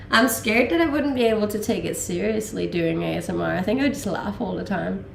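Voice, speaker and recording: Slow, gravelly Danish woman streamer. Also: medium pitch, reverberant, slight background noise. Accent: Danish-Australian mix. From Denmark. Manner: relaxed, laughing, many fillers. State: a little sick. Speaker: livestreamer. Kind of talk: casual chat reading viewer questions.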